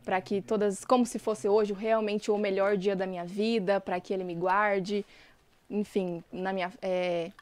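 A young woman, a guest in a casual podcast chat, talking chattily with frequent restarts and bursts of excitement. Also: medium pitch, measured pace.

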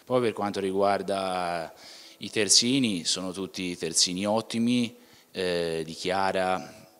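A young man with a low voice answers questions as a footballer, speaking plainly and often restarting his phrases. He talks into a handheld mic in an indoor room. The room adds a long reverb behind him. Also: takes it slowly, fairly bright tone. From Tuscany, Italy. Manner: plain, with frequent restarts and filler "ecco". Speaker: footballer, interview guest. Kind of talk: casual interview answers. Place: indoor club museum room.

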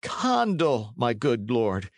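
A man's voice: mid-range voice, huge pitch swings, slow, no echo, clean studio sound, heavily acted. A man voicing a poor, cringing old peasant in a storybook, servile and pleading as he protests.

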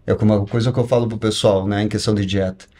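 A man's voice: fairly low pitch, flat delivery, racing, mellow. A man chatting as a podcast guest, explaining things with everyday comparisons and checking that he is understood. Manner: explains with homespun comparisons, keeps asking "entendeu?". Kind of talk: casual podcast chat.

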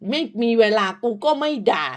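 A woman ranting at rival creators, scolding and insulting them crudely, with repeated short tags. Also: moderate pace. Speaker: online commentator. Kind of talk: profane rant at rival creators.

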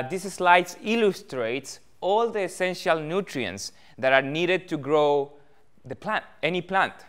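A man's voice: a little high, a bit bright, smooth. A man in his thirties with a Chilean accent, giving a talk to a room of farmers, friendly and full of fillers. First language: Spanish. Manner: friendly, many fillers, gestures with hands. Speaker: guest speaker, almond research manager. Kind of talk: presentation to growers. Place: meeting hall with audience. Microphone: far camera, no mic seen.

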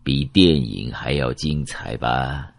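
A man's voice: very deep voice, slow pace, creaky, no room sound, voice pushed down, heavily acted. A man reading an audiobook, voicing a smug, smiling middle-aged schemer with a coaxing tone.

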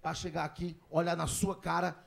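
A man's voice: fairly high pitch, flat delivery, normal speed, vocal fry, pitched below the performer's own voice. A comedian with a Cearense accent playing a tiny bitter old woman who bluntly curses at him. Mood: resentful. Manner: blunt, cursing.

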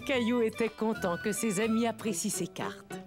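A woman narrating a scripted children's story with clear storytelling phrasing. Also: on the high side, normal speed. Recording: music behind.

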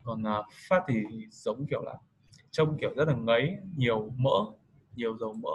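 A man giving a casual vocabulary lesson, explaining slowly and patiently with many fillers. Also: medium pitch, slight background noise. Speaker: English tutor.

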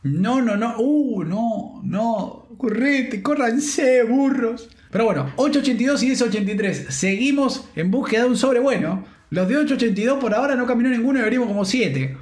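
A young man with a Rioplatense Spanish accent, commenting on game pack openings in an animated, slangy, joking way. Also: extremely high pitch, a little fast, few pauses, reverberant, soft background music. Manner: animated, slangy, jokey, shouts with joy. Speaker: gaming streamer.

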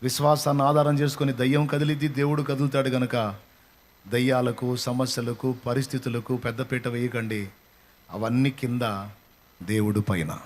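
A male pastor preaching a sermon with impassioned, repetitive exhortation that swells into loud declarations. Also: mid-range voice, little pitch movement, normal speed, a little hiss or hum.

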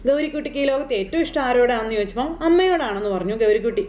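Casting: a brisk, fairly high-voiced woman doing a loose, chatty serial recap in an echoey room. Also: lively intonation, a little mellow, a little hiss or hum. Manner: chatty, loose storytelling with many fillers and tag words. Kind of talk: casual retelling of a TV serial episode.

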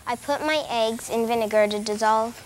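A woman's voice: a little high, normal speed, a little hiss or hum. A teenage girl on a children's science show, earnestly explaining her experiment results step by step. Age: teens. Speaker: student. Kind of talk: answering questions, reporting results. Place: studio kitchen set.

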